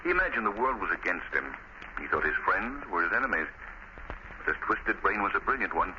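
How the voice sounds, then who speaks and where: An actor playing a suave, mocking, shadowy crime-fighting avenger with theatrical, measured delivery in a 1930s radio drama. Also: male voice, low voice, lively intonation. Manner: theatrical, commanding, measured enunciation. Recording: muffled, faintly noisy 1930s radio recording.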